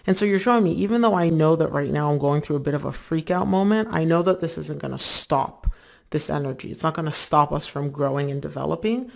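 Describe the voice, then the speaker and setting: Chatty tarot reader with vocal fry. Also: medium pitch, a little fast. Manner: chatty, many filler likes, acts out viewers' inner thoughts. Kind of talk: casual tarot reading to viewers.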